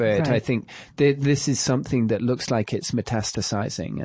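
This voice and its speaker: Speaking with a British accent at a fairly quick pace, a man shows ordinary pitch variation over a quiet background. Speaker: podcast co-host.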